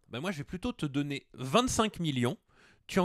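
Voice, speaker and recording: A man's lively intonation at a moderate pace, dry with no echo, against a quiet background. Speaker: political commentary co-host. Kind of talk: casual explanatory chat. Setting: recorded video, offline. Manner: hesitant, many fillers. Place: home room. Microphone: handheld.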